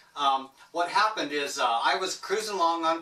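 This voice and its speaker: A man talks at a moderate pace in a fairly high voice. Noticeable background noise runs underneath. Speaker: gardening vlogger. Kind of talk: casual vlog monologue. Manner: loud, yelling. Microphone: no microphone, old one broke.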